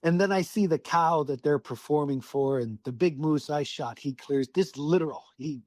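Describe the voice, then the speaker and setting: This podcast guest from Southwest Alaska has a fairly high, slightly mellow voice at a normal speed, with no room sound. His hunting story is profane and casual, full of swearing, and he acts out what he was thinking.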